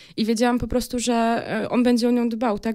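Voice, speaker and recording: Against a quiet background, a woman talks in a fairly high voice. Her tone is dark and mellow. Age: 20s. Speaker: car enthusiast; podcast guest. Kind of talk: casual chat. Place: studio. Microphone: studio mic.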